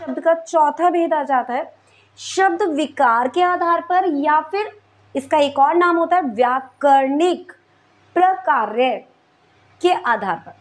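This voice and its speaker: A woman with a high voice runs a school grammar lesson. She explains patiently, one step at a time, and keeps checking that her students follow. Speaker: Hindi grammar teacher.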